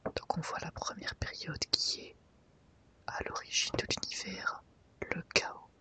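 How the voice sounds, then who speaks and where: Speaking in a breathy, soft whisper, a woman presents an ASMR video, choosing her words carefully and never rushing. The mic is placed a little to the side.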